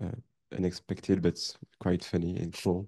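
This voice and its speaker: With a French accent, the speaker uses a dark, mellow tone and a monotone, flat intonation. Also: man, quiet background. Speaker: student. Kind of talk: question from audience. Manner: halting.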